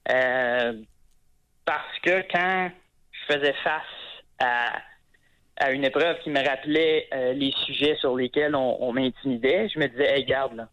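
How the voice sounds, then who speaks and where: A young man with a Quebec French accent calls in, speaking at a middle pitch, haltingly and full of fillers as he restarts his sentences. His voice comes through a dull, muffled phone line. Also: fairly bright tone. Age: 20s. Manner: hesitant, many fillers and restarts. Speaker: caller. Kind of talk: phone-in call on a talk show.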